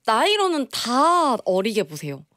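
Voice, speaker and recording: A woman in her twenties co-hosting a live radio show in casual, playful banter with expressive reactions on a close studio mic. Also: fairly high pitch, measured pace, no echo. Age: 20s. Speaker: radio show co-host, former idol group member. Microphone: close studio radio microphone.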